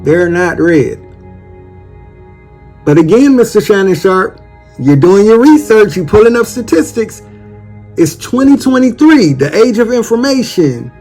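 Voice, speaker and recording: A man speaking slowly and pointedly to someone he names, repeating phrases for emphasis. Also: sits high, big pitch swings, a little mellow, faint music behind. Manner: slow, deliberate, repeating for emphasis. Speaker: commentator addressing a public figure. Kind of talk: emphatic direct-address commentary.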